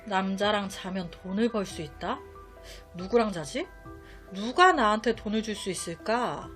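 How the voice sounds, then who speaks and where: A woman voicing a cheeky teenage girl who talks in a lowered, scheming, blunt way within a told story. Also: very animated, a little fast, soft background music.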